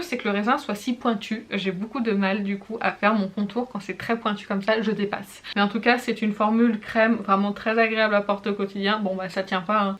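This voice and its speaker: A woman beauty vlogger casually reviewing makeup products to camera, chatty and full of hesitations, pausing to demonstrate as she talks. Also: mid-range voice, fairly bright tone. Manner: chatty, frequent hesitations and self-corrections; demonstrates products while talking.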